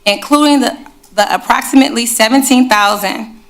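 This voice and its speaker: A woman's voice: a little high, normal speed. A woman chairing a city council meeting, talking to the room in a chatty way and reading a proclamation at a desk microphone in a council chamber. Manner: chatty, warm asides to the room. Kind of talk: presiding over a public meeting, reading a proclamation.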